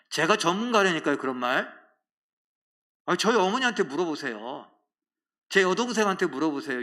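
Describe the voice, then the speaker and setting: A middle-aged male pastor preaching in a church sanctuary through a church microphone. His voice is bright and forceful and sits a little high for a man. He pushes his points hard, then drops to near-quiet asides. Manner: animated, emphatic preaching with sudden drops to quiet. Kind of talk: sermon.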